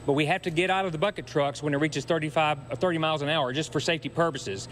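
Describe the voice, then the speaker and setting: A man's voice: on the high side, fairly even intonation, quick pace, fairly bright tone. A man speaking as a utility spokesman, giving plain explanatory answers in a news interview. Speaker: power company spokesman being interviewed. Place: warehouse. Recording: faint hum behind.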